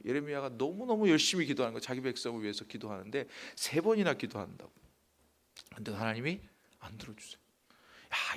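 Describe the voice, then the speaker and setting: A male pastor giving a sermon to his congregation. He asks them questions and answers them himself, and he swings from loud emphasis to soft, almost whispered lines. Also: a little high. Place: church sanctuary.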